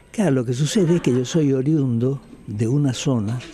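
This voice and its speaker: Noticeable background noise sits behind a man speaking at a fairly slow pace. His pitch is medium with ordinary variation. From eastern Catamarca, Argentina. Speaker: journalist and researcher. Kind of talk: interview. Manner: reflective, frequent hesitations.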